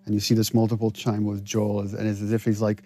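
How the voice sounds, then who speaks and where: A man, a game writer, giving thoughtful, measured commentary with frequent hesitations. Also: lowish voice, completely flat delivery, mellow. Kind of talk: casual commentary over cutscenes.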